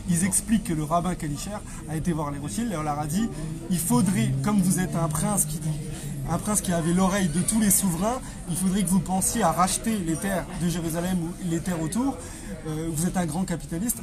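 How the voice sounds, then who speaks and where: Male author-guest, conversational explainer who restarts phrases, music playing behind. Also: high-pitched. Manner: halting, repeats and rephrases phrases.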